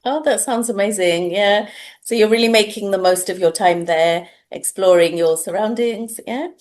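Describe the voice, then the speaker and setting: A woman hosting an interview as an English tutor, encouraging and asking simple, clear questions. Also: mid-range voice, moderate pace, a little mellow. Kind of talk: casual interview chat.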